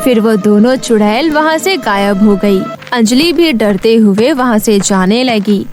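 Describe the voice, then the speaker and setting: A woman's voice: fairly high pitch, expressive, measured pace, over music. A woman narrating a scripted children's story as a storyteller.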